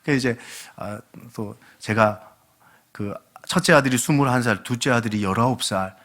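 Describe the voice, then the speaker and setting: A man in his late forties, a guest pastor delivering a sermon with humorous, animated storytelling. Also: medium pitch, moderate pace. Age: late 40s. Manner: animated, humorous storytelling that acts out quoted dialogue.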